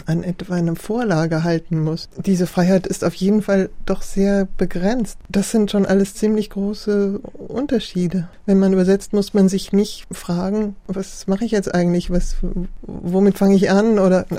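A woman's voice: medium pitch, fairly even intonation, moderate pace, hardly any pauses, no echo. A middle-aged woman, an author and translator from Germany, giving thoughtful, hesitant interview answers. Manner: reflective, hesitant, with restarts and soft laughs.

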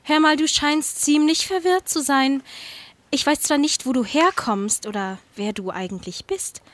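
A woman voicing a gruff, touchy, bearded old male forest troll in a comic audio play. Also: high-pitched, measured pace, no echo. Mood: worried.

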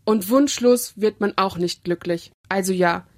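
A woman's voice: mid-range voice, unhurried, natural voice. A woman voicing a dreamy male dinosaur who muses in rhymes in a storybook poem. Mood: musing. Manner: musing, whimsical rhyming.

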